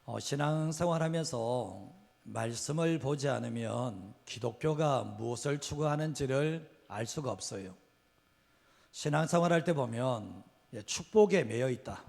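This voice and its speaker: A middle-aged man preaching a sermon as pastor, earnest and repetitive, his sentence ends often trailing off quietly. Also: mid-range voice, measured pace, vocal fry. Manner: earnest, repeats key phrases, trails off at line ends. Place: church sanctuary. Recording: long hall reverb.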